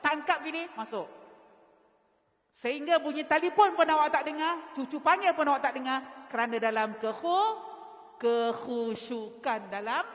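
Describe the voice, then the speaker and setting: Animated woman teacher in an echoing hall. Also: sits high, normal speed. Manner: animated storytelling, mimics sounds. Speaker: religious teacher. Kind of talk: women's religious lecture. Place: mosque hall. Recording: reverberant mosque hall.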